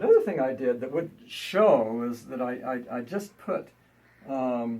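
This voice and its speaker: With noticeable background noise behind him, a man of medium pitch talks at a fairly slow pace with lively intonation. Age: 70s. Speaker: author and natural home builder. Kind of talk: casual chat. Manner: halting, many repeated words.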